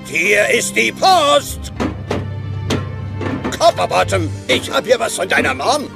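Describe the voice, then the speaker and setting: An actor playing a gravelly robot postman in a children's audio play. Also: sits high, very animated, slow, music in the background, exaggerated voice. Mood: announcing. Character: slow, creaky male robot postman.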